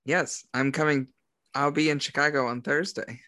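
A young man co-hosting a podcast, joking through quick, casual banter over a call. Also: a little high, fairly even intonation, pushed and bright, no room sound. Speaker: podcast co-host. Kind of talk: casual chat.

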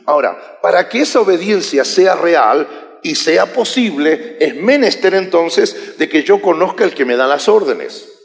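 Lively preacher man in an echoey hall. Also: a little high, unhurried, creaky. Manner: animated, joking with the congregation. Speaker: pastor. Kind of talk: sermon.

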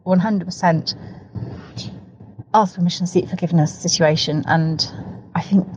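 A woman's voice: on the low side, steady tone, moderate pace, a little mellow, highs cut off, a little hiss or hum. A woman with a cold, talking in an eager, rambling way and piling up words for emphasis, recorded in a parked car. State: has a cold. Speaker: podcast co-host. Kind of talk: recorded voice message, casual.

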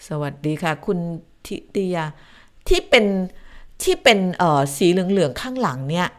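A woman hosts a live stream from her home, with a voice that sits a little low. She moves from summing up the news to easy, chatty talk with her viewers, greeting and thanking them by name. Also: very animated, moderate pace.

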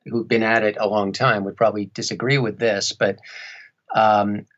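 A man's voice: fairly low pitch, flat delivery, normal speed, fairly bright tone, lo-fi sound. A middle-aged man talking conversationally and a little wryly as an interview guest. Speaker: interview guest, audiobook narrator.

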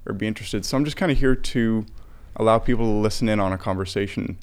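A young man hosting an interview in a relaxed, informal way, asking questions and reacting with casual slang. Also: lowish voice, quick pace. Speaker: interviewer host.

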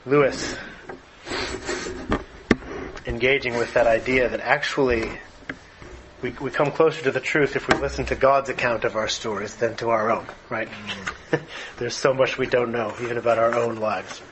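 A man's voice: mid-range voice, fairly even intonation, moderate pace, long pauses, noisy background. A man giving a lecture and reading a passage aloud, speaking thoughtfully and hesitantly with frequent fillers and restarts. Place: lecture room.

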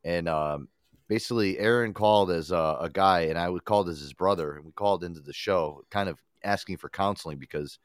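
Very deep congested man hosting. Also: brisk, dry recording, studio quality. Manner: swears often, laid-back rambling. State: stuffy head cold. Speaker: radio show host. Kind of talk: casual profane chat.

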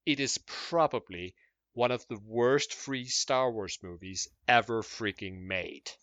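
A man's voice: medium pitch, measured pace, fairly bright tone, no room sound, highs cut off. A man co-hosting a casual podcast chat, talking in an emphatic, provocative way.

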